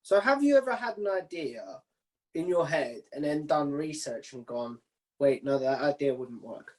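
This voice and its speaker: A man's voice: fairly high pitch, animated, moderate pace, darkish tone. A man hosting a casual interview, putting his questions together informally as he speaks. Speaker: interviewer, podcast host.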